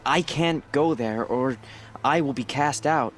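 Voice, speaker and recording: A man playing an anguished, fearful tribal hunter in a video game, speaking haltingly and breaking off mid-sentence. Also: medium pitch, a little hiss or hum, natural voice. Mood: fearful, pleading. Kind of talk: dramatic video game dialogue acting.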